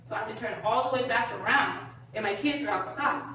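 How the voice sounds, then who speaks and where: A woman's voice: a little high, a little fast, pushed and bright. A woman tells a story casually and acts out the quoted lines of the people in it. She sounds far from the mic in a very echoey space, with faint noise behind her. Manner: recounts events with quoted dialogue. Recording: echoey, distant, faintly noisy recording.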